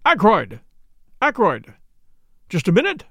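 Storybook doctor, acted by a male narrator: urgent, commanding, uneasy, highly inflected, dry sound. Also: very animated, brisk, creaky, no room sound, highs cut off, exaggerated voice. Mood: frantic calling. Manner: commanding, sharp, insistent. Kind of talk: audiobook character dialogue.

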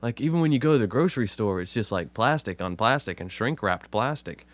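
A man, hoarse from a cold and with a rough voice, chatting casually and swearing freely as a podcast co-host. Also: on the low side, animated, fairly quick. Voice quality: rough, smoker-like voice. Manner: laid-back, swears casually, says "man" a lot. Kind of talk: casual chat.

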